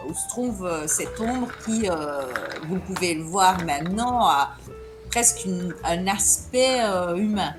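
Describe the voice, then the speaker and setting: A French woman running a tabletop role-play as game master. She narrates slowly, stopping often on fillers as she searches for words. Music plays softly behind her. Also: mid-range voice. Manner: hesitant, many fillers.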